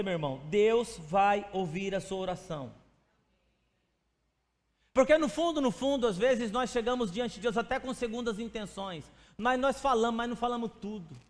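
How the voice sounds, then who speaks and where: A male pastor preaching a sermon in a conversational way, speaking to the congregation by name and acting out little stories. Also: extremely high pitch. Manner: acts out stories with quoted voices. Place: church sanctuary. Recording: long church hall reverb.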